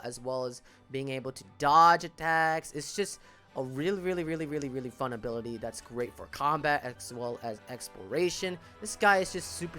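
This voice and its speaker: A man talks through game opinions in a casual video-creator style. His voice sits at a middle pitch, and he leans emphatically on repeated words. Music plays behind him. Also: fairly bright tone. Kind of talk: casual reaction commentary on game banners.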